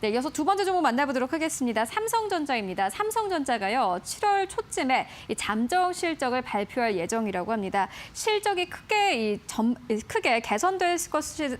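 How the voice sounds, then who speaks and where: A woman presenting stock news briefings as a caster in a lively, clear tone. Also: sits high, fairly quick, hardly any pauses.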